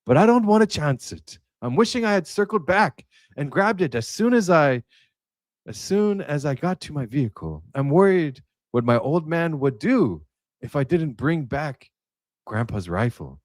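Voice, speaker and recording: A man reading out the part of an anxious young man confessing, in a halting, theatrical script read. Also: a little high, sing-song, no room sound. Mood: worried, brooding. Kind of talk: mock-dramatic script reading.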